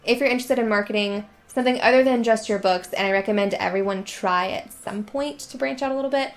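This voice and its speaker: A woman in her twenties with a slightly raspy voice, just getting over being sick, chatting upbeat to her viewers in a sponsored video about writing. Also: mid-range voice. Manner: upbeat, chatty, quick asides. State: recovering from illness. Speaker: writing YouTuber. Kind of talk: sponsored video talk to camera.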